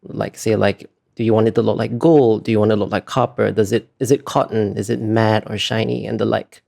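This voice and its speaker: A man answering interview questions in a casual, explanatory way, halting often with pauses and fillers as he talks. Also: lowish voice, little pitch movement, gravelly, a little mellow. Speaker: interview guest, visual artist.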